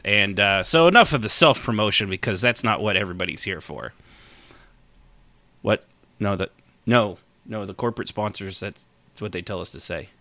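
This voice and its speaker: Bright-voiced, animated man hosting a podcast. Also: lowish voice, dry recording. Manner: joking, rambling, halting. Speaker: podcast host. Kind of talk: casual chat on a live roleplay gaming podcast.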